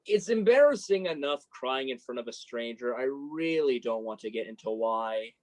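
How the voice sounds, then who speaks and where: A man's voice: mid-range voice, lively intonation, moderate pace, natural voice. A man playing a sensitive, embarrassed college freshman in a play reading, guarded and dryly self-deprecating. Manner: self-deprecating, dry sarcasm. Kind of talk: staged reading of a play, naturalistic dialogue.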